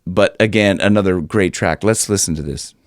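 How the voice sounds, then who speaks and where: Chatty American vocal coach, clear, dry sound. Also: male voice, sits low, moderate pace, dry recording. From Ohio, USA. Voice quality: raspy in his upper singing range. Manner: chatty, loose, demonstrates lines by singing them. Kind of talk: singing lesson with sung demonstrations. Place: small room with a dark curtain behind. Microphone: studio microphone on a stand, headphones on.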